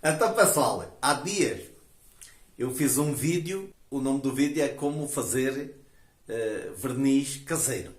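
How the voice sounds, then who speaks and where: A man's voice: medium pitch, slow. Chatty Portuguese man demonstrating, echoey room. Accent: European Portuguese. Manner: chatty, explains at length, frequent "né?" and "ó". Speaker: DIY video host. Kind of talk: casual how-to demonstration.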